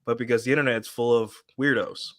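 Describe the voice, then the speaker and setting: A man's voice: medium pitch, steady tone, brisk. A man on a casual podcast panel, explaining and arguing his view. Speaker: podcast co-host.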